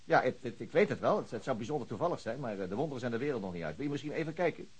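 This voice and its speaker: Fast, husky, impatient detective. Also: male voice, medium pitch, lively intonation. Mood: coaxing, insistent. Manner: pressing, sardonic, repeating himself. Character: impatient, insistent, sarcastic police detective. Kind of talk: radio drama acting.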